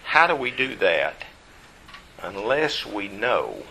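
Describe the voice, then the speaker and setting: A man's voice: fairly low pitch, sing-song, slow, creaky, bright, forceful tone, slight background noise, poor audio. A man preaching a Bible study sermon, stressing key words by repeating them and putting questions to his listeners.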